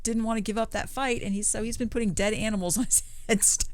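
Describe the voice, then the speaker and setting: A woman's voice: a little high, fairly even intonation, fast, dry recording. A woman co-hosting a casual podcast, reading out odd news stories in an amused, easygoing way.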